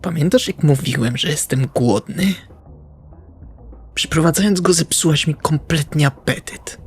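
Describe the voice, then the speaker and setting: A man's voice: on the high side, a little slow, husky, soft background music. Man playing an irritable, scornful male vampire. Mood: resentful. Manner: exasperated, scornful, sardonic.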